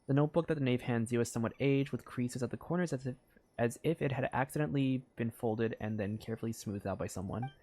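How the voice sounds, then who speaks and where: A man streaming a game, reacting excitedly and reading game text aloud in casual commentary. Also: medium pitch, fast talker, a little hiss or hum. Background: faint game music.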